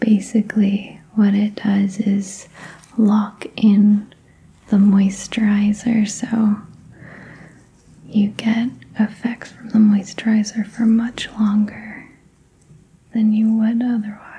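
A woman's soft-spoken, gentle voice, very slow and flat in intonation, with long, frequent pauses. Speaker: skincare role-play host. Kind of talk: soft-spoken role-play talk to the viewer. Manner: soft-spoken, gentle ASMR voice. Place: home room.

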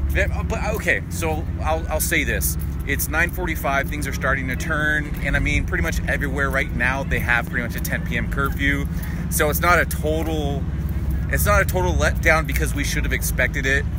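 A man at a fairly quick pace, dry sound with no echo, music in the background. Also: ordinary pitch variation. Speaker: vlogger. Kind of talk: casual vlog chat. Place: street. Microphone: phone near.

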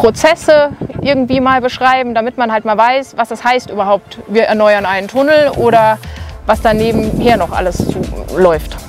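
Dry with no echo over light background noise, a woman speaks at a moderate pace with ordinary pitch variation. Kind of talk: informational presentation. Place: open country. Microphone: lapel.

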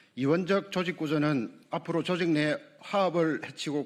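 A man with a plain, everyday voice and a fairly high pitch speaks at a moderate pace on a very clean recording with a silent background. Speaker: advisory committee member. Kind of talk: press conference statement. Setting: press room at the National Assembly.

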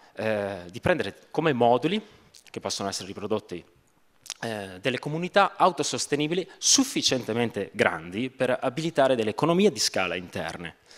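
The speaker's pitch swings very widely against a quiet background. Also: man. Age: 30s. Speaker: startup founder; presenter. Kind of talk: pitch presentation. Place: stage. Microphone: handheld.

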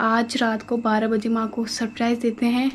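A soft-spoken woman talks at a moderate pace. Light background noise can be heard. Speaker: vlogger. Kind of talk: casual vlog talk. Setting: at home at night. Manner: quiet, speaking softly. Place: home room. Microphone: voice may sound too quiet; phone near.

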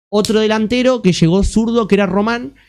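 In a Rioplatense accent, a man talks at a fairly quick pace in an animated tone, with ordinary pitch variation over a quiet background. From Argentina. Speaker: streamer. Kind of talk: casual chat. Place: home room. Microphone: studio mic.

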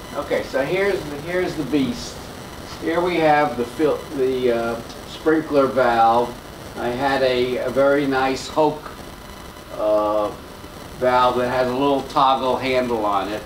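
Speaking at a fairly slow pace with long, frequent pauses and ordinary pitch variation, a man is heard over light background noise with audible room echo. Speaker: presenter. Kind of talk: technical talk. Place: meeting room. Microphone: camera far.

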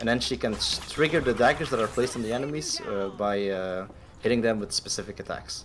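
Over noticeable background noise, a man talks very fast in a medium pitch. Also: ordinary pitch variation. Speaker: game designer. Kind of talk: live gameplay demo stream. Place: home room.

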